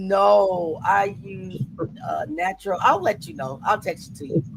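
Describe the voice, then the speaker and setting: The speaker moves at a fairly slow pace with ordinary pitch variation, and noticeable background noise runs under the voice. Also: man, high pitch for a man. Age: 50s. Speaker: livestream host. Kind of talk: casual chat.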